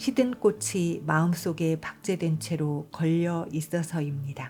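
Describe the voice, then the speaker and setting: Music plays behind a woman speaking at a very slow pace. Her voice is fairly low, with lively intonation. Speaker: audiobook reader. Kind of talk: book reading narration. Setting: rural home vlog with voice-over.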